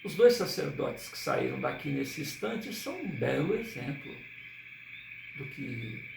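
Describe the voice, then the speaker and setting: A man's voice: on the high side, sing-song, a little slow, vocal fry, background noise, exaggerated voice. A man reading an earnest young preacher. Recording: roomy, distant mic, crickets and frogs.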